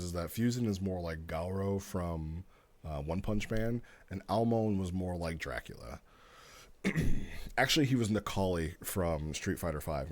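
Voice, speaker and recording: Very deep-voiced man, casual storyteller. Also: a little mellow. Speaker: streamer reviewing roleplay stories. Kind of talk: casual explanatory commentary.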